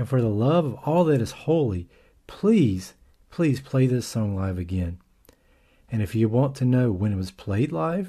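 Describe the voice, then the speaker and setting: A man's medium-pitched, somewhat breathy voice with a dark, mellow tone, very wide pitch swings and a moderate pace. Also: very clean recording, silent background. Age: 50s. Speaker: podcast host and author. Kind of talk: solo podcast monologue.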